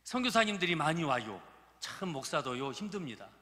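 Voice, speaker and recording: A man's voice: fairly high pitch, very animated, brisk, bright, forceful tone, slight background noise. A man in his fifties, a pastor with a Jeolla Korean accent, preaching a folksy, joking sermon to his congregation in a church. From Gurye, South Jeolla, Korea. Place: church sanctuary. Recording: reverberant church hall.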